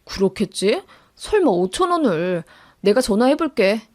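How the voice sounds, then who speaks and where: A woman's voice: medium pitch, very animated, moderate pace, darkish tone, dry recording, studio quality, lightly acted. A woman voicing a young husband in a radio-drama story, blunt and plain-spoken. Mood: puzzled. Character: young husband, easygoing but quick to get upset.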